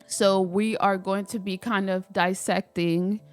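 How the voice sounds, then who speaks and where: A woman's voice: medium pitch, fairly even intonation, unhurried, clear, resonant tone, faint music behind. A woman vlogging casually while doing her hair, a little stuffy and nasal from a cold, rambling with lots of fillers and restarts. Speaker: spiritual vlogger. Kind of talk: casual chat to camera.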